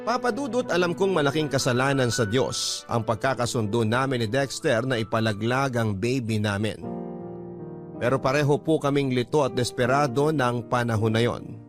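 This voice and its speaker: A male radio drama host narrates a listener's letter in the first person. His voice sits at a middle pitch, with music playing clearly underneath. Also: normal speed.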